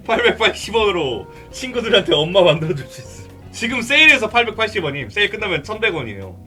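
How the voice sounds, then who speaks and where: A man with a fairly high, bright voice streams a game in casual, teasing chat. His pitch jumps about as he jokes in crude slang, with music underneath. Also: sing-song, fairly quick. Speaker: live streamer.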